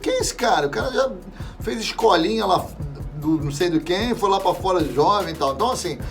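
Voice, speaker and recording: A man's voice: high voice, fairly quick, soft background music. A man, a guest chatting casually about football with swearing and many restarts. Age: 40s. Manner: animated, swears freely, trails off and restarts. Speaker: interview guest.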